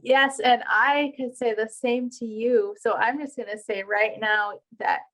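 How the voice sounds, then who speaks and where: A woman's voice: on the high side, fairly even intonation, unhurried, a bit bright, rough recording. A woman hosting an interview podcast, talking in an effusive, emphatic and enthusiastic way. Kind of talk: enthusiastic interview and channel introduction.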